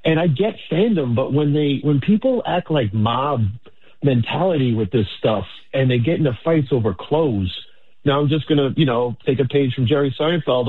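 A man's voice: on the high side, slightly rough. A man calling in to a radio show over a tinny phone line, casually giving his opinion. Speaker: caller.

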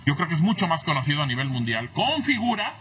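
A man on a sports panel, giving blunt opinions in a lively back-and-forth. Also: fairly high pitch, soft background music. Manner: opinionated, fast, animated.

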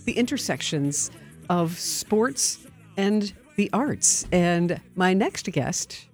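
A woman's voice: on the low side, lively intonation, slow, darkish tone, soft background music. A woman hosting a radio interview, upbeat and chatty as she introduces her guest. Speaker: radio host.

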